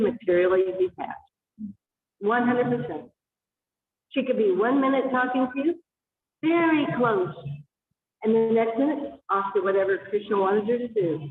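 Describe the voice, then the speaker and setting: A woman's fairly high voice with very wide pitch swings and long, frequent pauses, music in the background. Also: very even loudness. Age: 70s. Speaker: devotee giving a remembrance. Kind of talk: personal remembrance.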